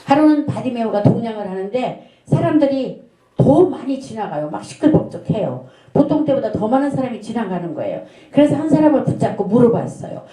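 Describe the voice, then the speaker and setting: A woman's voice: a little high, big pitch swings, fairly quick, mellow. A middle-aged woman pastor delivering an earnest sermon, telling a story and asking rhetorical questions. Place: church sanctuary. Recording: echoey church room.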